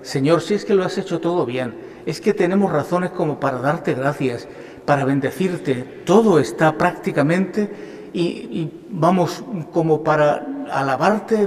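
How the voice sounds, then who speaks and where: An older man from Spain, a bishop, giving an earnest homily at Mass from a lectern in a large chapel. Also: fairly high pitch. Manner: slow, earnest preaching with rhetorical questions. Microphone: stand mic at a lectern. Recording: long church reverb.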